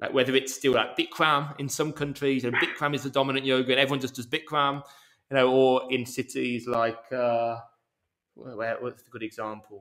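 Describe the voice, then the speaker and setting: The speaker talks at a fairly quick pace with a British accent. The intonation is monotone and flat. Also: man, medium pitch for a man. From England, Birmingham. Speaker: yoga teacher. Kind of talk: interview conversation. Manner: halting, many false starts.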